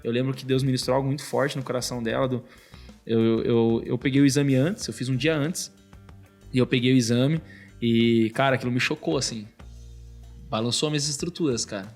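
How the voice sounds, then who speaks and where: A man in his thirties, a podcast guest, telling a personal faith story in casual chat, animated and full of filler words. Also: medium pitch, a little fast, soft background music. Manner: animated storytelling, constantly says "cara".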